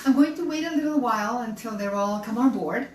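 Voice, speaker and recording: A woman's voice: fairly high pitch, fairly quick. Chatty woman host, roomy distant sound. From Canada and Chile. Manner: chatty, welcoming, addresses viewers directly. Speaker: cooking show host. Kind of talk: live cooking stream. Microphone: camera held by her son at a distance. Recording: roomy and distant with faint hum.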